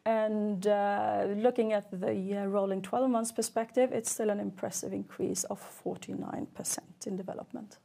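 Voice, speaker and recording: Woman finance chief with gravelly creak. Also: medium pitch, dark tone. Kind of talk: earnings call presentation.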